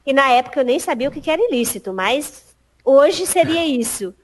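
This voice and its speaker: High-voiced Brazilian woman telling her story. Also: a little fast. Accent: Piauí Brazilian Portuguese. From Piauí, Brazil. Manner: animated, acts out quoted dialogue, laughs often. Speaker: podcast guest. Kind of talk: casual storytelling interview.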